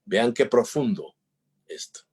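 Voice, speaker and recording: A man with a medium-pitched, slightly mellow, breathy voice and lively intonation speaks slowly at a conference about emotional intelligence. He tells jokey anecdotes and acts out the dialogues in them.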